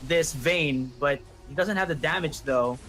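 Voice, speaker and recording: A man doing excitable play-by-play commentary on an esports match. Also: on the high side, measured pace, faint music behind. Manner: excitable, rising to shouts at big plays. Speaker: esports caster.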